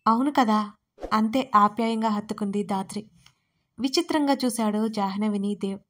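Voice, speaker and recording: A woman who writes and narrates her own audio stories, in a steady, expressive storytelling style. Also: medium pitch, normal speed.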